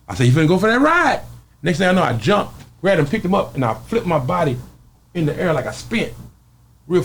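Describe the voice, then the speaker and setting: A man's voice: sits high, vocal fry, a bit bright. A man from the American South with a Southern Black accent, telling a story casually and colloquially, acting out what people said. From Southern US, Arkansas. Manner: acts out quoted speech, colloquial. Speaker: interview guest.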